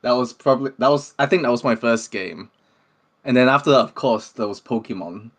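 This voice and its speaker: A man's voice: mid-range voice, fairly quick. A man, talking casually as an interview guest. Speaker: interview guest, game developer. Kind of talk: casual chat.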